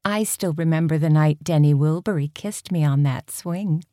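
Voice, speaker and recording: A woman's voice: deep voice, normal speed, mellow, no echo, clean studio sound, natural voice. A woman voicing a cheerful woman back at her old camp. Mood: wistful.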